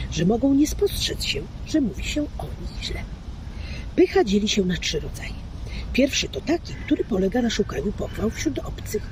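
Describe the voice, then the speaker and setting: Female reader, formal and declamatory with lively intonation, clear background noise like traffic. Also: lowish voice. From Poland. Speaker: reader, fan club member. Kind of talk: formal reading of a literary text.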